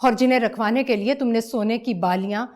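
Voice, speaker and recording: A woman's voice: on the low side, measured pace, dark tone, husky. An actress playing a bitter, weary mother who speaks coldly and accusingly, in Pakistani Urdu. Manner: cold, accusing. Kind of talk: TV drama acting.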